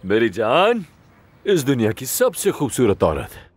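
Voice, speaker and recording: Patient, coaxing husband. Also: male voice, medium pitch, wildly swooping pitch, measured pace, slightly rough, full character voice. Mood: urgent. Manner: coaxing, soothing. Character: patient middle-aged husband teaching driving. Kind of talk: dubbed TV drama.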